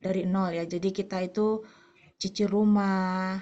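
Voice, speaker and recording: A woman's voice: medium pitch, flat delivery, measured pace, mellow, muffled recording. A woman preaching to a women's fellowship in a chatty way, telling personal stories and addressing the listeners as mothers. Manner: conversational, anecdotal, addresses listeners as "ibu-ibu". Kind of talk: sermon.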